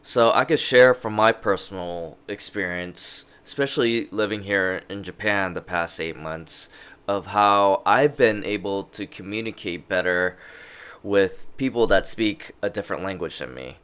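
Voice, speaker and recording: A man vlogging casual advice in a slow, halting way, with many fillers and restarts. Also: low voice, a bit bright, smooth. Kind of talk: casual talking-head advice. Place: lives in Japan. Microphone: interview microphone.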